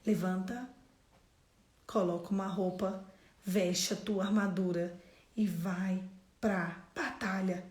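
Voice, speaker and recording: A Brazilian woman leading a devotional, preaching with emphatic, exhortative drive and sudden loud bursts. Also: medium pitch. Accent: Brazilian Portuguese. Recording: echoey room.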